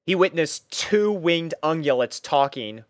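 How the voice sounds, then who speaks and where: A man narrating a scripted story in a measured, mock-serious storytelling manner. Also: fairly high pitch, animated, no room sound, clean studio sound. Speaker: fan fiction narrator.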